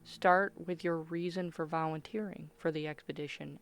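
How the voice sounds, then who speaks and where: A woman's voice: deep voice, steady tone, moderate pace. A woman playing a firm, clinical doctor conducting a formal interrogation in a radio play. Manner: formal, controlled, official.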